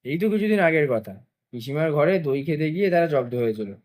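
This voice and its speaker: A man narrating a children's story for a cartoon in an expressive, lively way. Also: on the high side, fast talker.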